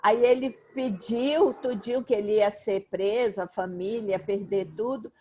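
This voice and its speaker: A woman's voice: medium pitch, steady tone, normal speed, mellow, a little hiss or hum. A woman, a study group participant who retells a parable in casual discussion. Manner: brief agreeing interjections, retells a parable.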